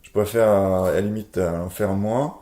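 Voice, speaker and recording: A man's voice: lowish voice, steady tone, moderate pace, warm tone, roomy sound. A man with an Italian accent, a board game publisher talking casually in an interview, hesitant with many fillers and restarts.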